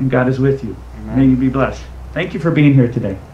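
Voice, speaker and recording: Audible room echo fills the space. Through it comes a man's voice. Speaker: pastor. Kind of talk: sermon. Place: waterside.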